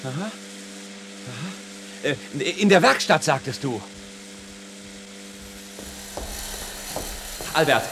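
Casting: easily flustered worrier, radio drama, animated intonation, hesitant, faint recording noise. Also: male voice, a little high, normal speed. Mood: flustered, astonished. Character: fretful, easily flustered man who owns robots. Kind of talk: 1970s German radio drama acting.

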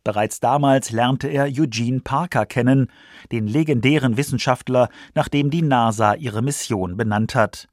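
A man's voice: medium pitch, moderate pace, dry recording, studio quality. A man reading scripted science documentary narration for a radio feature.

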